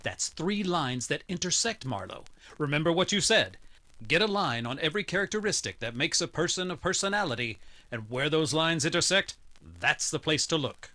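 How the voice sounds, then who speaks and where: An actor playing an insistent, lovesick rich client in an old-style noir radio drama, pleading and emphatic. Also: male voice, fairly high pitch, sing-song, moderate pace, sharp tone. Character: desperate, lovesick self-made rich male client.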